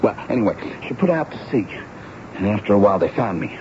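A man acting an earnest, pleading teenage runaway boy, emotional and halting, in a 1970s radio drama. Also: lowish voice, very animated. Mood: sorrowful. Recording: dull, noisy vintage radio broadcast.

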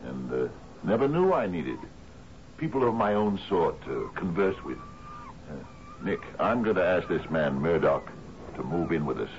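A man's voice: low-pitched, very animated, normal speed, a little mellow. An actor playing a lordly, exuberant old sea captain in a radio drama, hearty and musing, repeating his phrases. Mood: eager, lordly. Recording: dull, hissy old radio broadcast recording.

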